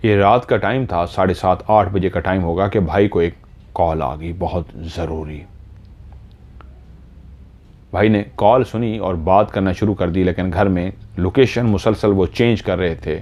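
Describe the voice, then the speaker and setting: Low dark-voiced man telling a horror story. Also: moderate pace. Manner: dramatic, rises in pitch and loudness at tense moments. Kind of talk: dramatic storytelling. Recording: dull lo-fi recording.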